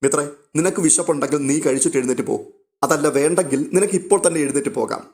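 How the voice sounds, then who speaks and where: A man's voice: on the high side, very fast, a little mellow, close to an everyday voice. A man reading a cold, harsh older aunt. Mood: dismissive. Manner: dismissive, harsh.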